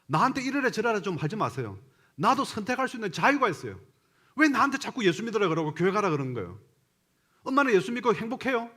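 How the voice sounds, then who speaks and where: A man's voice: a little high, big pitch swings, fairly quick, pauses often, fairly bright tone, breathy edge, exaggerated voice. A man voicing a defiant teenage son who talks back to his mother, pleading and exasperated, inside a sermon. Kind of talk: quoted dialogue within a sermon.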